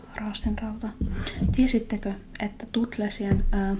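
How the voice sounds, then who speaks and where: A soft-spoken woman talks at a very slow pace with a fairly high pitch. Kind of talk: ASMR cooking video, soft-spoken casual talk. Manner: soft-spoken, relaxed.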